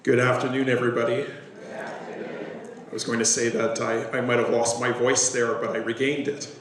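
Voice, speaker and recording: A man's voice: mid-range voice, level tone, normal speed, noisy background. Strained-voiced man in a roomy hall. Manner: hesitant with many fillers when speaking off the cuff. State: voice strained from a recent illness. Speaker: city councillor giving remarks. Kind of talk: formal ceremonial speech. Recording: roomy hall, distant microphone, faint ambience.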